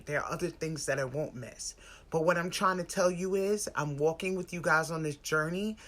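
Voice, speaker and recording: A woman's voice: low-pitched, fairly bright tone. A woman in her forties with an American accent, hosting a casual, motivational live stream in a conversational, emphatic way, often repeating phrases for stress. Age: 40s. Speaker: spiritual lifestyle live-stream host.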